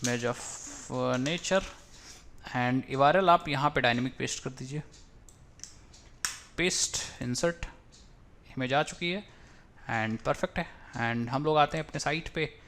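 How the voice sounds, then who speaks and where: A man's voice: medium pitch, takes it slowly, long pauses, a bit bright, a little hiss or hum. A man teaching web coding in a screen-recorded tutorial, talking casually and thinking aloud as he mixes in English technical terms.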